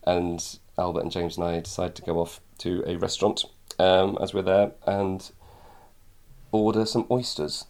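A man, an author, chatting casually on a podcast, telling lively anecdotes with many pauses and ums. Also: low voice. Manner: animated storyteller, many ums. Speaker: author guest.

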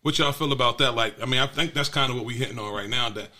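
A man's voice: mid-range voice, fast, pushed and bright. An African American man moderating a casual chat in colloquial speech, often repeating phrases as he goes. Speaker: discussion moderator.

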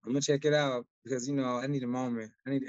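Chatty host with dull lo-fi sound. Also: male voice, mid-range voice, flat delivery, fairly quick, no room sound. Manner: chatty, enthusiastic, laughs often. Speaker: interviewer host. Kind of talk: casual interview chat.

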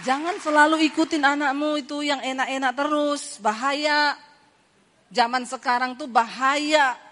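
High-voiced woman preacher in echoing hall. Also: a little slow, slight background noise. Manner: lively storytelling with mimicked voices. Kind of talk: sermon. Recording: hall reverb.

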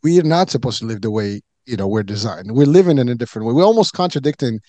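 A man's voice: medium pitch, lively intonation, fast talker, dark tone, dry recording. A middle-aged man from Morocco chatting as a podcast guest, rambling with many fillers and restarts. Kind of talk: casual chat.

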